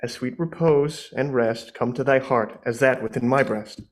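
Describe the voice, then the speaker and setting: A man's voice: mid-range voice, moderate pace, pitched below the performer's own voice, lightly acted. A man playing Juliet as an earnest, lovestruck young woman in a live amateur Shakespeare reading, with theatrical verse delivery. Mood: cautious, tender.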